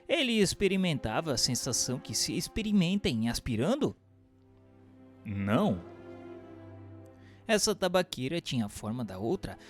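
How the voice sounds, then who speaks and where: A man gives a scripted, formal and didactic reading of a book of questions and answers. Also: a little high. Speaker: narrator. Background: music.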